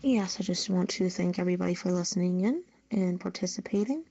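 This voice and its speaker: A woman's voice: fairly low pitch, brisk, dark tone, a little hiss or hum. A woman co-hosting a podcast, giving friendly thanks to the listeners. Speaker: podcast co-host. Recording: dull lo-fi streamed voice channel.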